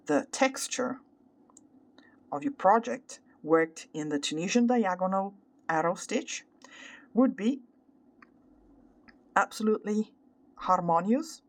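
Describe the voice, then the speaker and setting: A woman with an Italian accent, a native Italian speaker, explaining a craft tutorial carefully, step by step and with pauses. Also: fairly low pitch. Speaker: crochet tutorial host. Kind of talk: instructional craft tutorial, unscripted.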